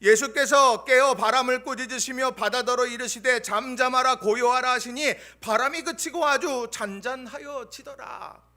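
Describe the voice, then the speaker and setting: A male pastor delivering a sermon in a church, swinging between loud proclamations and hushed, quiet asides. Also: very high voice, normal speed, few pauses. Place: church sanctuary.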